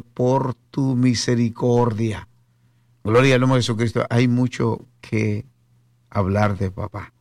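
Latin american guy preaching on radio, medium pitch, slow, lots of amens, music under it. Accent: Latin American Spanish. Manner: devout, punctuates talk with hallelujahs and amens. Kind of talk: devotional radio preaching and chat with callers. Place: radio studio.

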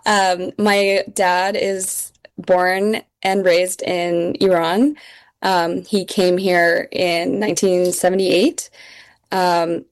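A woman's voice: on the low side, flat delivery, extremely slow. A young woman from Minnesota, speaking earnestly as an interview guest, with frequent ums and restarts. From Minnesota, United States. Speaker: guest, communications director of an advocacy group. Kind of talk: interview conversation.

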